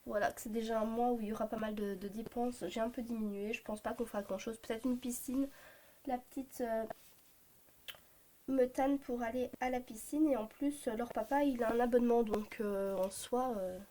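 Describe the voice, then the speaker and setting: A Belgian woman in her thirties talks through her family budget at home, her voice a little hoarse from a cold. She is chatty and hesitant, leaning on fillers as she thinks aloud. Her tone is mellow but pitched a bit high, with faint background hiss. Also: fairly even intonation, moderate pace. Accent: Belgian French. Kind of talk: casual talk to camera. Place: home at a desk, morning.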